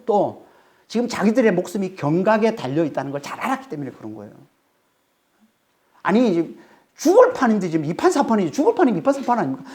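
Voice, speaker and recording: A male pastor from Korea working through a scripture passage with emphatic, animated delivery. His pitch swings widely as he stresses each point. He keeps asking the congregation short questions to hold their attention. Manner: animated, rises sharply when dramatizing. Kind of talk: expository sermon.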